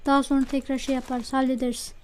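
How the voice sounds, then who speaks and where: Woman, high voice, let's play commentary, chatty, talks to herself, excitable. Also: fast, slight background noise. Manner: chatty, talks to self while playing, easily excited. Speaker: gaming channel host.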